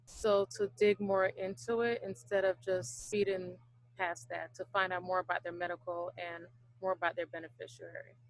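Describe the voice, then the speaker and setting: Female trainee, informal group contribution, flat delivery, very dry recording. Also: fairly low pitch, normal speed, no room sound, rough recording. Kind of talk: informal sharing in a group session.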